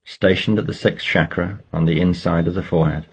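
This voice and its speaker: Deep gravelly man guiding a meditation. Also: fairly even intonation, a little mellow. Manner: measured, instructional, pausing between phrases. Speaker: guided meditation leader. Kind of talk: slow guided meditation narration.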